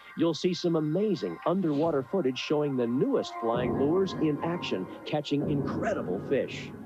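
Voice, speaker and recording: Over music in the background, a man talks in an upbeat, enthusiastic tone at a moderate pace with hardly any pauses. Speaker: infomercial host. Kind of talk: infomercial presentation.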